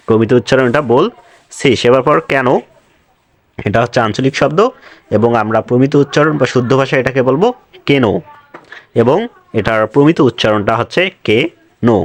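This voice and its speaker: Man teaching slowly, spelling words out. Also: mid-range voice. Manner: slow, spells out words letter by letter. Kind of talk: classroom lecture.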